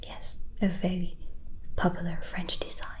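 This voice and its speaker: A woman playing a gentle, chatty white witch from the forest in a soft, breathy, unhurried ASMR whisper. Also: on the low side, monotone, close to an everyday voice. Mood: gentle, musing.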